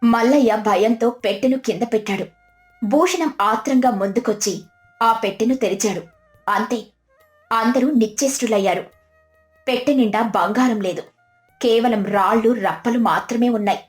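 A woman's voice: on the high side, normal speed, pauses often. A woman reading a scripted moral story as the narrator. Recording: background music under the voice.

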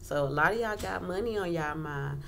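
Low-pitched, creaky-voiced woman reading tarot. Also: normal speed, fairly bright tone. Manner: informal, conversational, repeats phrases and checks in with "okay". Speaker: tarot reader, host. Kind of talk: casual tarot card reading. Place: indoors at a wooden table. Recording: clearly noisy home recording.

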